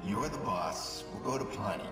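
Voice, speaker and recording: An indulgent, easygoing man in a video game scene, acted by a man, talks to a child with very unhurried, lilting speech. He sounds echoey and distant, with loud music underneath. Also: fairly low pitch, expressive, natural voice. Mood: playful, indulgent. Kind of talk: cinematic video game voice acting.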